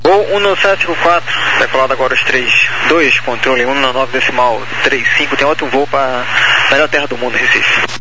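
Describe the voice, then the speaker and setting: A man's voice: mid-range voice, a little fast. A Brazilian man, a tower controller, making procedural radio calls with friendly sign-offs. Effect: radio transmission. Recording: muffled, very noisy aviation radio.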